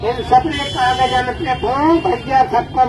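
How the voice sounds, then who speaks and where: There is crowd noise in the background. A man with an extremely high pitch speaks in a Bundelkhand accent. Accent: Bundeli dialect. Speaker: local announcer. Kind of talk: public awareness announcement. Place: street. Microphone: handheld.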